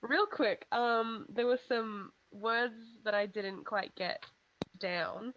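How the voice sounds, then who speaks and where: A woman's voice: a little high, takes it slowly, a bit bright, slight background noise. Woman player in an online tabletop game, chatty and friendly, a bit muffled.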